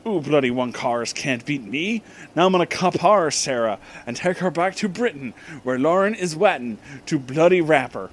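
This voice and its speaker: A man's voice: on the high side, animated, normal speed, slight background noise, close to an everyday voice. A man voicing a gloating, villainous flying robot who taunts in mangled British slang, for a comic story reading. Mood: gloating, taunting.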